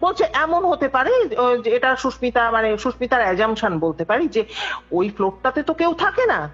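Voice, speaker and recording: A woman's voice: a little high, fairly quick, breathy edge. A woman telling a story conversationally, acting out the dialogue as she goes. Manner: animated, acts out quoted dialogue. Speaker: guest telling a ghost story. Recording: dull lo-fi call recording with music behind. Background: background music.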